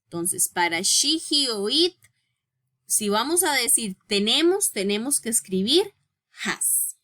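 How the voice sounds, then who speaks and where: Woman, English teacher, unhurried, bright tone, patient step-by-step explanations. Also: on the high side, sing-song. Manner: reads English rules slowly and deliberately. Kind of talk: recorded grammar lesson.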